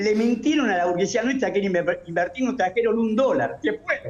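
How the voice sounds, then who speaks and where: Over noticeable background noise, a man with a high pitch sounds animated, talking at a fairly quick pace with lively intonation. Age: 70s. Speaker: economic analyst. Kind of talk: TV panel discussion.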